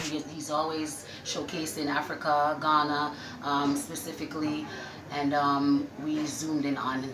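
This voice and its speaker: A woman answers interview questions. She tells her story casually, in an echoey space with clear background noise behind her. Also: low-pitched. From Jamaica. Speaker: restaurant owner, interview guest. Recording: echoey room with loud-ish background noise.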